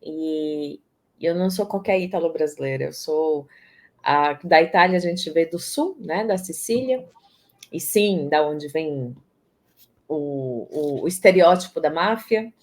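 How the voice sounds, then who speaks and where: Expressive Bahian woman, low voice. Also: unhurried. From Brazil, Salvador, Bahia. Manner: expressive, restarts and repeats words. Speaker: guest, systemic positioning strategist. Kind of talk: casual interview talk.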